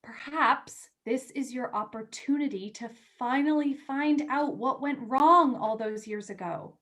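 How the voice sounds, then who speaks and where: An eager young female magazine editor, as an actress plays her in a staged reading. Her voice sits on the high side. She teases and coaxes in natural, stammering bursts of dialogue. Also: unhurried, a bit bright. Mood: pressured, earnest.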